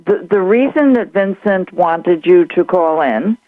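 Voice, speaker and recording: A woman guest calling into a radio show, chatty and quick to laugh, with hesitant fillers. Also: lowish voice, animated, no room sound. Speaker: author and guest. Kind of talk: phone-in radio interview. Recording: phone line.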